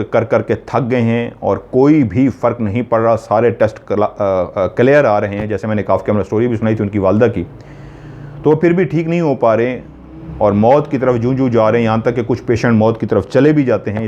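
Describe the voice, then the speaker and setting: A man's voice: mid-range voice, fairly quick, mellow, lo-fi sound. A man earnestly explaining spiritual remedies step by step, repeating each instruction to be sure it is followed. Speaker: spiritual healer teaching remedies.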